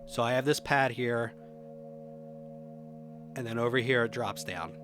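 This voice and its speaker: In an unhurried, mid-range voice, a man gives a relaxed software walkthrough for a music production tutorial, musing out loud in an informal way while showing how things work.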